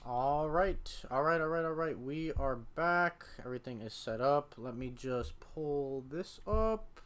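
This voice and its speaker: Male streamer, informal and chatty, smooth resonant tone, a bit high. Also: animated, a little slow, a bit bright. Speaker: streamer hosting a watch party. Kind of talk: casual live-stream talk.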